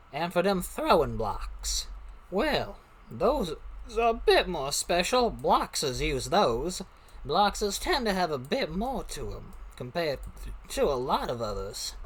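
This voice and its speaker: Put-on character voice from a man, pitched high and delivered fairly slowly. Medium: actual play. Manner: folksy, drawling, haggling.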